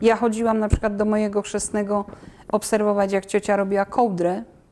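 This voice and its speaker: Fairly quick speech in a dark, mellow tone with monotone, flat intonation. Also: woman. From Wiśniowa, Lesser Poland, Poland. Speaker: regionalist. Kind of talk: interview answer. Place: studio. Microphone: lapel.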